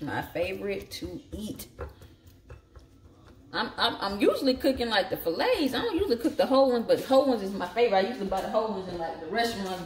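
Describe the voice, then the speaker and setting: A home cook from the southern United States, with a Southern African American English accent, chats casually for a cooking vlog at her home kitchen counter. Her mid-range, darkish voice is folksy and salty as she thinks aloud while working. The recording is noisy and homemade, with clicks.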